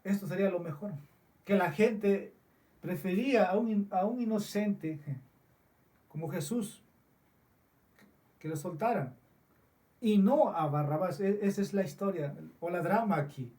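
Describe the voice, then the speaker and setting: A man preaching a sermon as pastor, slow and deliberate with frequent restarts, recorded in a church. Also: high-pitched, warm tone, distant mic. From Peru.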